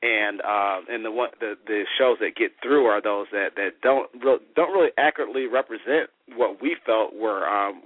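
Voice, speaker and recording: Eager rambling radio host. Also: male voice, medium pitch, no room sound, phone-quality sound. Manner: eager, rambling questions with restarts. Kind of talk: radio interview.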